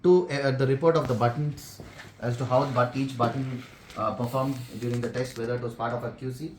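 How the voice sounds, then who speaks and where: A man's voice: mid-range voice, fairly even intonation, a little fast. A man in his thirties with an Indian accent, casually explaining and demonstrating a product he helped develop. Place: hotel room, indoors. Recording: echoey room with noticeable background noise.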